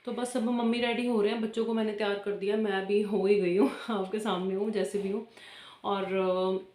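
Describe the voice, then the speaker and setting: A woman's voice: mid-range voice, flat delivery, normal speed, darkish tone. A woman, chatting casually at home for a family vlog into a phone camera. She rambles on and laughs between sentences. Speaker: family vlogger. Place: at home indoors. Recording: echoey room.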